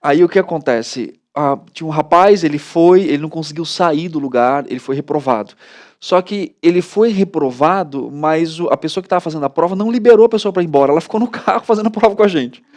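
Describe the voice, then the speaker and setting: Brazilian pastor man, lively storytelling. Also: a little high, quick pace. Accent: Brazilian Portuguese. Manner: animated storytelling, many "né" tags. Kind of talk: casual studio talk.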